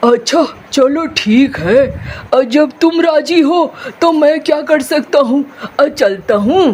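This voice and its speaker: A high-pitched, cartoonish character voice at a fairly slow pace. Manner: hesitant, mild.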